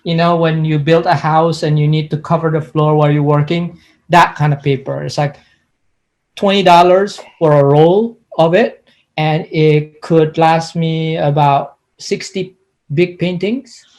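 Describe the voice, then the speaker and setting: A middle-aged man from Indonesia, an artist answering interview questions in a halting way with many restarts and pauses. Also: a little high, fairly even intonation, darkish tone.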